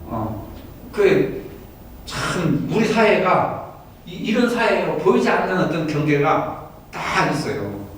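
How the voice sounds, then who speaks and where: Pastor from Daejeon in an echoey room. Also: male voice, a little high, very animated, slow pace, pauses often. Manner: asks listeners for agreement often. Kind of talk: Bible study teaching. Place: church room. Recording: echoey room from far off, faint noise.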